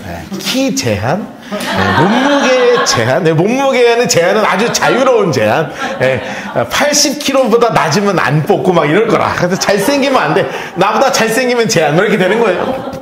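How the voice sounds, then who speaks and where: Animated male pastor teaching Bible study. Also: high-pitched, moderate pace, reverberant, over a noisy crowd. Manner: lively, dramatizes the text, laughs often. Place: church.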